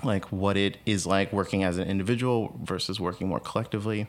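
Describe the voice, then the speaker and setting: This man has an American accent and a fairly low pitch. His pitch varies in an ordinary way. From Texas, San Antonio. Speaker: co-founder of a creative tools company. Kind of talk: casual interview conversation. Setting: studio, in person. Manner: halting, many fillers.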